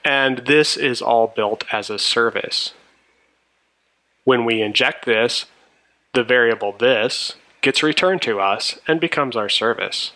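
Male programming instructor, mid-pitched and bright, methodical screencast narration. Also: takes it slowly. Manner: methodical, explanatory. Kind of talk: tutorial narration over a screencast.

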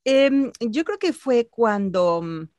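Animated woman on a video call. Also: a little high, slow pace, no echo. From born in Italy, raised in Mexico City. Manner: animated, gestures while telling stories. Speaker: guest, actress and voice artist. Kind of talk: casual interview storytelling. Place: home room with bookshelf.

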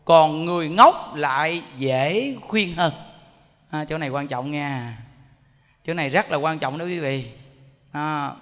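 A man's voice: fairly high pitch, measured pace, a bit bright. A man giving a Buddhist sermon and telling a story, often asking the audience questions. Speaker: Buddhist monk teaching. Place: temple hall. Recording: echoey hall.

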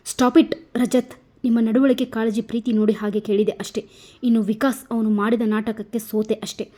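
A woman's voice: on the high side, moderate pace, lightly acted. A woman voicing a spirited, pouting young woman in a told story. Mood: pouty. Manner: pouting, lively. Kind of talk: storybook narration.

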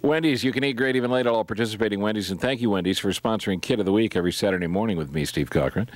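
Rapid-fire and fairly low in pitch, this middle-aged radio host keeps things casual and jokey in live, conversational banter. He sits close to a boom-mounted studio broadcast mic, and the recording sounds dry.

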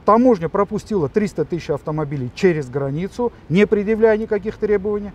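A male lawyer with a high voice gives interview answers quickly. He explains step by step and keeps catching on fillers and restarts. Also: expressive, darkish tone.

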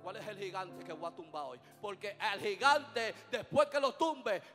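A male pastor preaching a fervent sermon, calling on the congregation to repeat after him and swinging from quiet asides to loud climaxes. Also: high voice, big pitch swings, normal speed. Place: church sanctuary. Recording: reverberant church hall with music.

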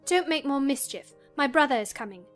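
Woman playing a high-voiced scornful young girl. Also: animated, a little fast, faint music behind. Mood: contemptuous. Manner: contemptuous, impatient.

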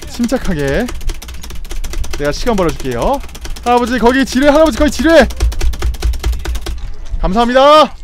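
A man streaming a game, commenting excitedly with loud outbursts and frantic repeated words. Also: high voice, a little hiss or hum. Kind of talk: excited live gameplay commentary.

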